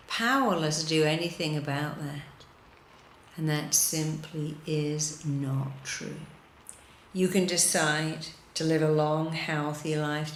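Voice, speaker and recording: A woman leading a guided meditation in a soothing, deliberate manner, repeating gentle instructions with pauses. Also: sits low, echoey room, a little hiss or hum. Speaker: guided meditation leader, hypnotherapist.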